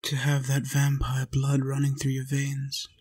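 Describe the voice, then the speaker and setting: Slow, coaxing vampire man, acted by a man. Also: mid-range voice, monotone, darkish tone, breathy edge. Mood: coaxing, solemn. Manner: coaxing, deliberate, pausing between short phrases. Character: centuries-old vampire man, youthful, coaxing, possessive and tender. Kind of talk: intimate roleplay audio, slow monologue to listener.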